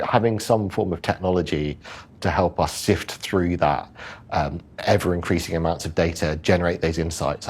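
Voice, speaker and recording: Very deep, slightly husky man. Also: darkish tone. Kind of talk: conversational interview.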